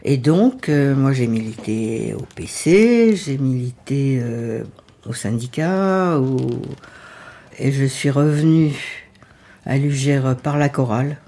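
An older woman whose first language is Yiddish, recalling her past in a halting, reflective interview. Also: a bass voice, animated, dark tone. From France. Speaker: witness. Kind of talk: interview testimony.

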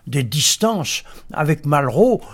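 A man's voice: on the high side, very animated, slow pace. A man, a journalist and biographer, speaking in a radio debate, hesitant with frequent restarts and repeated words.

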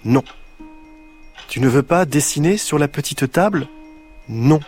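Un homme qui joue une grand-mère douce et patiente. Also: male voice, a little high, lively intonation, faint music behind, pitched above the performer's own voice. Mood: playful. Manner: gentle, explaining, slow and patient. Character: kind, patient old grandmother, gently playful.

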